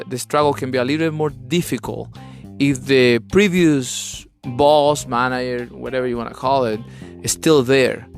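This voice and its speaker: A man from Chile with a Chilean Spanish accent, a native Spanish speaker, hosting a conversational leadership podcast in an earnest, instructive way. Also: medium pitch. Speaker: podcast host.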